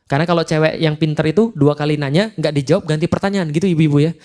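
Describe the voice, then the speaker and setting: Man, high-pitched, preacher, casual lecture, animated storytelling, slow verse recitation. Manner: animated storytelling, acts out dialogue with jokes; quotes Quran verses slowly.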